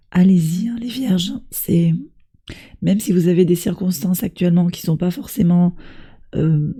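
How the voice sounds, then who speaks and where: A woman with a hoarse voice from a cold, doing a tarot reading and gently encouraging her viewers. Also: fairly low pitch. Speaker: tarot reader.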